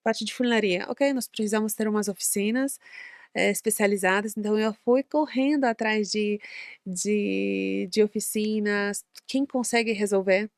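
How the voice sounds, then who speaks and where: Non-native woman guest, casual, halting, lots of fillers, dry studio sound. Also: medium pitch, fairly even intonation, vocal fry, no room sound. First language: not Portuguese. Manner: hesitant, searching for words, many fillers. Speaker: guest entrepreneur. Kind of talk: casual interview chat.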